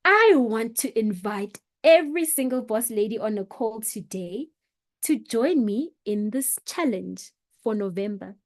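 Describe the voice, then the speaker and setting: A woman coaching an online workshop on public speaking, talking with expressive shifts in volume and pace for emphasis. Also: on the high side, measured pace. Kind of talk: motivational online workshop talk.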